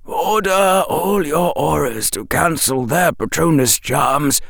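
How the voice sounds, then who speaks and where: A man voicing a calm, gentle old male wizard, speaking slowly and softly. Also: on the high side, gravelly, no room sound, studio quality, voice pushed up, full character voice. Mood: grave. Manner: slow, soft and measured.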